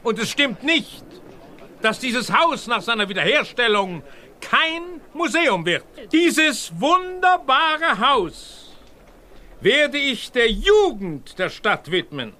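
An actor in his seventies playing a smooth-talking, scheming businessman who sways crowds with grandiose, theatrical oratory in a children's radio play. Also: very high-pitched, big pitch swings, slow, sharp tone, exaggerated voice. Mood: grandiose, insistent. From Germany. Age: 70s. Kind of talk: 1990 German children's radio play acting.

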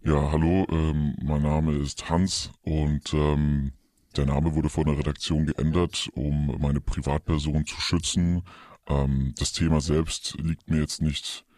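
A man on a comedy podcast playing an anonymous confessor through a distorted, pitched-down voice effect, hesitant and mock-solemn with many fillers. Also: level tone, slow, a little mellow, dry recording, studio quality. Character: anonymous male confessor hiding his identity. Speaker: podcast co-host.

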